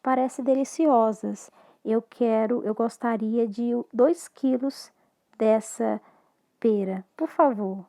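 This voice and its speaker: Her voice is a little high and mellow. She's a woman teaching English in a recorded lesson, with a Brazilian Portuguese accent, alternating between the two languages slowly and clearly.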